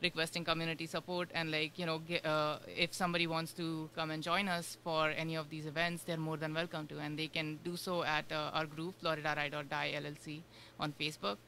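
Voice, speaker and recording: A woman's voice: sits low, flat delivery, fairly quick, bright, forceful tone, a little hiss or hum. Woman from India, chatty with lots of fillers. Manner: rambling, filler-heavy with many "like" and "uh". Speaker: guest. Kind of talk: casual interview chat. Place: radio studio.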